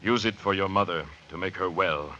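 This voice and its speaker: An actor playing a calm, noble Native American hero in an old radio western, speaking in a measured, formal way on a noisy vintage recording. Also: male voice, low-pitched, muffled recording. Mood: solemn, calm. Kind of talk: 1940s radio western acting.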